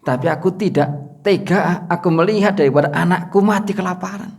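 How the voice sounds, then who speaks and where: A man voicing a poor, desperate mother who pleads in a low, subdued voice for her starving child. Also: fairly quick, vocal fry, a little mellow. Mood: anguished.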